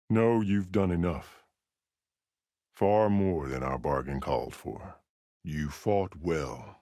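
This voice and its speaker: An actor playing a stern tribal warrior chief in a video game, speaking in a solemn, formal and authoritative way. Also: male voice, lowish voice, darkish tone, no echo, clean studio sound. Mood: commanding. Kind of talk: dramatic game dialogue.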